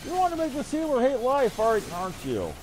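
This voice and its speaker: A man's voice: very high voice, huge pitch swings, brisk, background noise. A man giving casual live commentary while streaming a game, with a wry, mildly profane way of talking.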